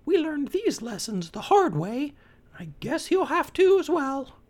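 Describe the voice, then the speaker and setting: A weary mother bat in a storybook, high and resigned, a little distant from the mic. Voiced by a male narrator. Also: big pitch swings, unhurried, darkish tone, heavily acted.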